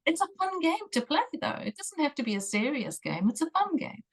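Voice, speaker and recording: A woman's voice: sits high, sing-song, fairly quick. A middle-aged woman from South Africa, a tarot reader speaking as a guest on a video call interview, earnest and emphatic with the odd mild swear word. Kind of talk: conversational interview.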